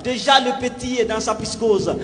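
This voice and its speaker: A man's voice: extremely high pitch, normal speed. A man performing slam poetry in a rhythmic, declamatory delivery. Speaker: slam poet. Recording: long hall reverb with music underneath.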